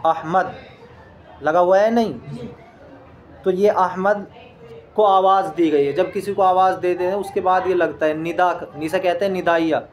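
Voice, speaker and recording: High-voiced male teacher glossing a text. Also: fairly even intonation, moderate pace, long pauses. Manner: reads each phrase, then glosses it word by word; patient, repetitive explaining. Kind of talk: lesson reading and translating a Persian text.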